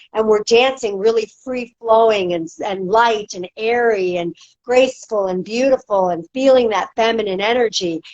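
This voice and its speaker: A woman's voice: mid-range voice, a little mellow. A woman, a movement instructor, talking casually in a podcast with many fillers and restarts. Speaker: guest, movement and dance instructor. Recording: dull lo-fi audio.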